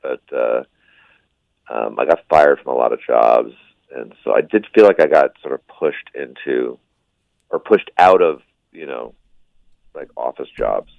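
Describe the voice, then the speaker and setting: Deep-voiced man telling a dry story. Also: lively intonation, measured pace, gravelly, dry recording, highs cut off. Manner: dry, rambling storytelling with self-deprecating asides. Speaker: stand-up comedian guest. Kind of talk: casual radio interview.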